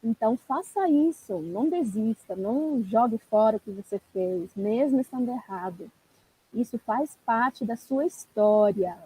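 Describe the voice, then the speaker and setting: A woman's voice: a little high, lively intonation, unhurried, mellow, slightly rough, rough recording. A woman, a language teacher giving encouraging, direct advice in a live-stream coaching talk.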